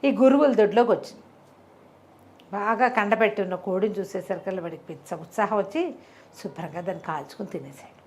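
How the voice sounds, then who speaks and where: A woman telling a folk tale in a colloquial, conversational way, with animated asides. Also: medium pitch, fairly quick, a little hiss or hum. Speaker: storyteller. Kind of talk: conversational oral storytelling of a folk moral tale.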